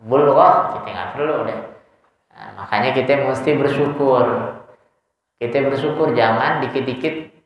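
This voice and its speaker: A man's voice: mid-range voice, moderate pace, long pauses. Man, religious teacher, joking rhetorical questions, very echoey, muffled. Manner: casual, teasing students with rhetorical questions. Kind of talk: informal Islamic study lecture. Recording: echoey dull hall recording.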